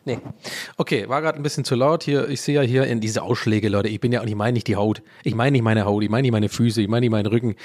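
A man's voice: medium pitch, fairly even intonation, fast, a little mellow. A man hosting a solo podcast alone at a home microphone, joking at his own expense, losing his thread and restarting, with a German accent. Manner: jokey, self-mocking, loses his thread and restarts. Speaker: podcast host. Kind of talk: rambling solo podcast monologue.

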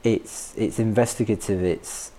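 A man speaking as a podcast guest in reflective personal conversation, thoughtful and halting as he searches for words. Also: fairly low pitch, fairly even intonation, warm tone, a little hiss or hum, rough recording. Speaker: podcast guest discussing a favourite poem.

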